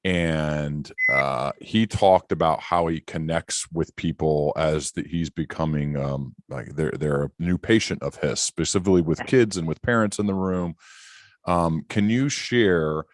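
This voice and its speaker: A man with a deep voice hosts a conversational interview. He thinks aloud as he frames his questions, in a halting way. The sound is dry, free of room echo. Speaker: podcast host, interviewer.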